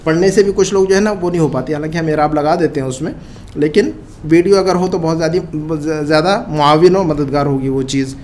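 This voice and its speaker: Man, arabic teacher, high-pitched voice, slow repeated drills, careful pronunciation. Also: a little mellow, slight background noise. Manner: repeats phrases slowly and stresses pronunciation. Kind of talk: teaching a class, drilling words.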